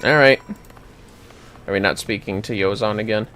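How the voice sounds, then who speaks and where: A mid-range, slightly bright voice at a moderate pace, with a little hiss or hum and game music behind it. A streamer casually comments on an online fantasy game, muttering to themself and swearing lightly.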